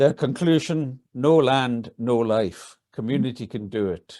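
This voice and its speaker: A man speaks in a Hebridean accent with a dark, mellow tone. His intonation is lively. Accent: Scottish Hebridean. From Scotland, Outer Hebrides. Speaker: professor and author. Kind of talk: webinar talk.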